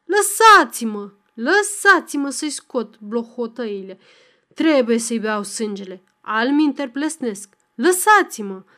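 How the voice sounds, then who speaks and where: A woman's voice: fairly high pitch, sing-song, bright, forceful tone. A woman voicing a drunk, furious middle-aged peasant father who bellows threats. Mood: raging.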